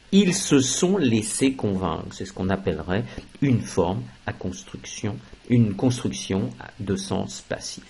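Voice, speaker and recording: A man teaching a French grammar lesson, explaining slowly and stressing key words, switching into English for translations. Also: on the low side, a little mellow, a little hiss or hum, low-quality recording.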